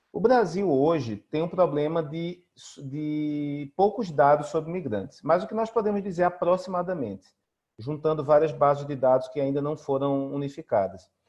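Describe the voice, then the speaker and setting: A man in a Pernambuco accent, fairly high in pitch, with lively intonation and a fairly slow pace. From Pernambuco, Brazil. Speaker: public defender. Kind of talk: talk. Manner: hesitant, many fillers.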